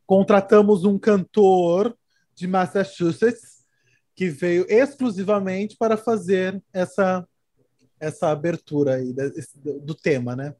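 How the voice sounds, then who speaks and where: A woman's voice: on the low side, slow, dark tone, no echo. A woman hosting a casual podcast, playful and joking as she leads the segments. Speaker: podcast host. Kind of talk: casual chat.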